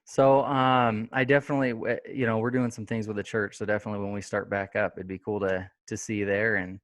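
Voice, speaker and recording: Low-voiced man hosting a chatty podcast. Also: flat delivery, fast talker, no echo. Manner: rambling, many fillers and restarts. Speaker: podcast host. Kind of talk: casual interview chat.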